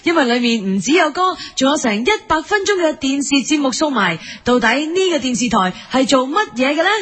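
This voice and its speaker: A woman's voice: high-pitched, sing-song, a little fast, a bit bright. A woman hosting a comic entertainment-news segment, asking teasing questions in a chirpy manner. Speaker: entertainment show presenter.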